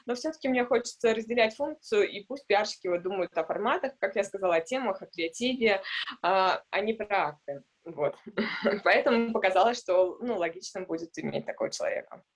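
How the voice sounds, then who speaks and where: A woman guest in an interview talks through her ideas slowly and reflectively. She pauses often and fills the gaps with soft fillers. Her voice sits at an ordinary middle pitch. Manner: thoughtful, many fillers and hedging pauses. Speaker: founder of a PR agency, guest. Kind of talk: casual interview answers.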